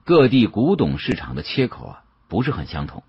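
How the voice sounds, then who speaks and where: A man with a husky voice narrating an audiobook story in a dramatic storytelling style. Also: lowish voice, wildly swooping pitch, normal speed, muffled recording.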